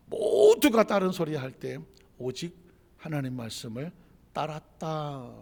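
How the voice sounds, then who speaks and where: A man's voice: medium pitch, vocal fry, a little mellow, slightly rough. A male pastor preaching a sermon, firing off rhetorical questions that build to emphatic peaks. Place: church sanctuary. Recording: church sanctuary with long reverb.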